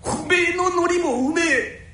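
Defiant young fisherman, acted by a man, high and gravelly, very echoey room. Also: sing-song, fast, a bit bright, a little hiss or hum, exaggerated voice. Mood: moved. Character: young male nori fisherman, proud and defiant.

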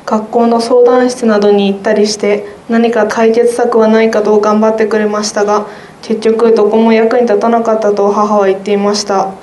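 A woman's voice: medium pitch, little pitch movement, moderate pace, warm tone. A teenage girl, a student guest, reading her own essay aloud in a careful, earnest way. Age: teens. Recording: roomy sound with faint noise.

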